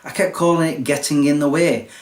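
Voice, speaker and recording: A man's voice: on the high side, fairly even intonation, a little fast. A young man casually explaining, step by step, how he films and edits his videos, with a self-deprecating manner. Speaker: YouTube creator. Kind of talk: casual behind-the-scenes explanation. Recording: roomy echo.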